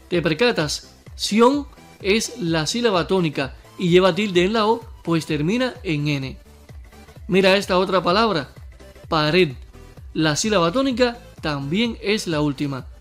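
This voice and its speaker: A man teaching a scripted spelling lesson, speaking clearly and deliberately to the viewer and slowing down to spell out each example word. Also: sits high.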